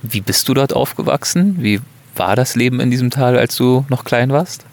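A man interviewing outdoors, calmly describing the scenery and asking open questions. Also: mid-range voice, normal speed, gravelly. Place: outdoors on a stone in front of a wooden hut.

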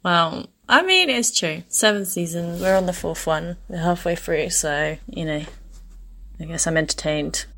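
Coy woman with a gravelly voice. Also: lowish voice, lively intonation, a little slow, fairly bright tone, slight background noise. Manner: coy, laughing. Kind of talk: casual flirty banter.

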